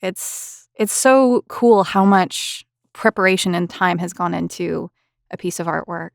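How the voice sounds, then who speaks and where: A woman's voice: fairly low pitch, unhurried, vocal fry, no room sound. Woman interviewer, close dry sound. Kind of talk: conversational interview questions.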